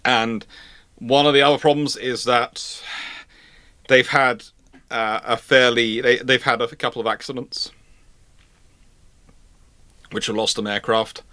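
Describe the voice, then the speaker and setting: A man with a bright, forceful voice explains things as host of a live question-and-answer session. He speaks haltingly, stammering and doubling back to reword himself. The sound is dry, with very little room in it. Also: medium pitch, steady tone, no echo. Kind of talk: live question-and-answer talk on military history and current affairs.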